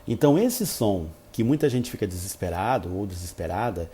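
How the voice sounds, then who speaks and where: A man's voice: fairly low pitch, expressive, normal speed, warm tone, slight background noise. A Brazilian man, an English teacher, giving a chatty, informal pronunciation lesson and exaggerating the example sounds.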